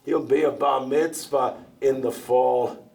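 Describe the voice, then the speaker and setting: A man's voice: mid-range voice, fairly even intonation, slow, a little mellow. An actor playing a talkative, joking older Jewish immigrant dairyman in a one-man stage monologue, often stammering and asking back. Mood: chatty. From Russia. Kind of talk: theatrical monologue. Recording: stage voice heard from far off.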